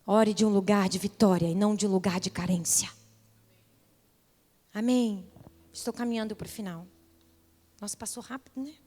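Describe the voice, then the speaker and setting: A woman's voice: medium pitch, fairly even intonation, moderate pace, pauses often, dark tone, in a large hall. A young woman pastor preaching a sermon with impassioned, rising repeated calls.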